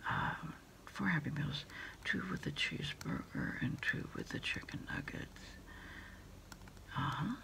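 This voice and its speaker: A middle-aged woman in a quiet ASMR roleplay as an order taker, murmuring in a halting, breathy whisper. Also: rumbling low, huge pitch swings. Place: small indoor room at a desk.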